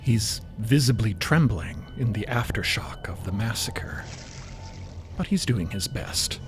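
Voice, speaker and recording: A man narrates a fantasy audio drama with deliberate, suspenseful phrasing. He speaks very slowly with lively intonation, over clear background music. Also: lowish voice.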